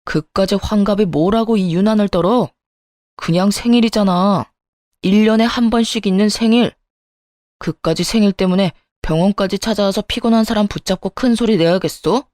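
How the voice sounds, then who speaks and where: A woman's voice: mid-range voice, moderate pace, darkish tone, no room sound, clean studio sound, natural voice. A woman voicing an arrogant doctor husband who talks down to his wife and brushes off her complaints. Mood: dismissive. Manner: condescending, nagging, brushing off complaints. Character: arrogant dismissive doctor husband, adult man. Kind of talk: Korean story radio reading.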